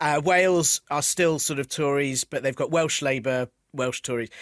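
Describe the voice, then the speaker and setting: A man with a British accent at a fairly quick pace, with ordinary pitch variation, on a very clean recording with a silent background. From United Kingdom. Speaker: comedian and podcast host. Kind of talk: casual interview.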